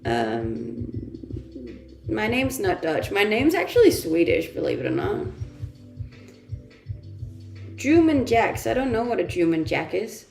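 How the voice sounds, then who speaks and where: Woman from Denmark, casual livestream host, lots of vocal fry, roomy echo, faint music under her. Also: mid-range voice, wildly swooping pitch, takes it slowly, long pauses, darkish tone. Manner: laughs often, chatty and self-amused. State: blocked nose from blowing it a lot. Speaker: livestreamer reading chat. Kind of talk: casual morning livestream chat.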